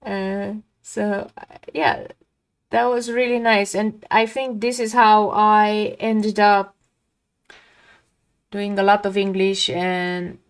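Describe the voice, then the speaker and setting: A woman's voice: medium pitch, little pitch movement, slow, pauses often, clean tone. A woman from Romania, speaking English as a second language, chatting casually and reflectively while she paints on a live stream, often trailing off mid-sentence.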